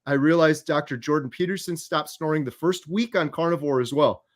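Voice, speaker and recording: A man hosting a livestream, telling stories in an animated, fast-moving way. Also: on the high side. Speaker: host. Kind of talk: casual livestream chat.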